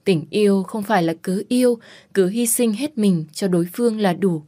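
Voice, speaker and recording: A woman narrating a first-person novel in a sorrowful, measured way. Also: mid-range voice, dark tone. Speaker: audiobook narrator.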